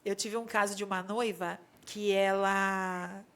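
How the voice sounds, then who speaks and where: A woman guest on an interview podcast, telling stories in a casual, animated way and acting out dialogue in them. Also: medium pitch, measured pace. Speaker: podcast guest, bridal designer. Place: podcast studio.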